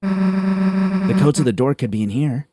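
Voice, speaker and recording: A man voicing a brash, rough-talking monster girl from a game, blunt and swearing. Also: fairly high pitch, expressive, dark tone, slight background noise, pitched above the performer's own voice. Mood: gruff, puzzled. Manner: blunt, swears, slow gruff delivery. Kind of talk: voicing game dialogue on stream.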